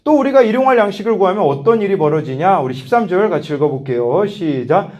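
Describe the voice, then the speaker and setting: A youth pastor from South Korea tells family stories in his sermon, laughing often. His voice sits high and leaps up and down as he acts out quotes. He preaches with playful, animated energy. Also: fast talker.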